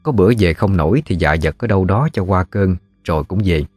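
A man with a Southern Vietnamese accent narrating a ghost story in a folksy, unhurried way. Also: low voice, lively intonation, a little mellow, no room sound, faint music behind.

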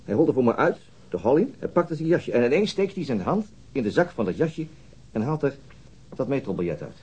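An actor playing a dogged, troubled police detective in a naturalistic radio drama, husky and deliberate, sometimes halting. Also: male voice, mid-range voice, very animated, a little mellow, dull audio. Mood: troubled, pensive. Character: dogged, troubled male police detective recounting his inquiry.

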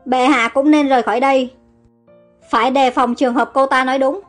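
A woman's voice: high-pitched, fairly even intonation, fairly quick, soft background music, lightly acted. A woman reading a deferential court official.

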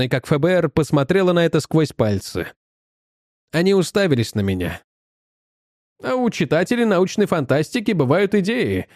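A man reading a story aloud in the first person, in an animated, expressive manner. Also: on the high side, no echo, studio quality. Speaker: audiobook reader.

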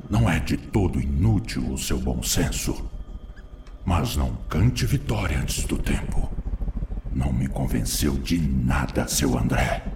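Gravelly, very deep vengeful spirit. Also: male voice, background noise, exaggerated voice. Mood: grudging, menacing. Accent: Brazilian. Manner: sneering, accusatory, drawn-out emphatic delivery. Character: furious, vengeful male spirit acting as accuser and executioner. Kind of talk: radio drama acting.

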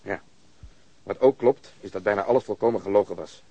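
An actor playing a blunt, stubborn, sardonic police detective interrogating someone in a radio drama. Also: male voice, lowish voice, fairly quick, breathy edge, no room sound, muffled recording. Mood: accusing.

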